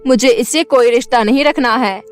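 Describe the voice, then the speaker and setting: A woman's voice: on the high side, moderate pace, natural voice. A woman voicing an angry, haughty middle-aged queen and mother-in-law in a cartoon story, scolding and emphatic. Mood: stern, domineering. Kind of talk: Hindi cartoon story dubbing. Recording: music bed behind the voice.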